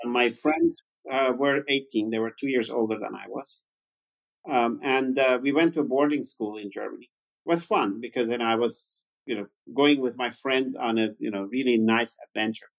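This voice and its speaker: A man's voice: mid-range voice, normal speed, vocal fry, poor audio. A man in his fifties from Iran, a native Farsi speaker, telling his story conversationally as an interview guest. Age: 50s. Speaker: interview guest, tech founder.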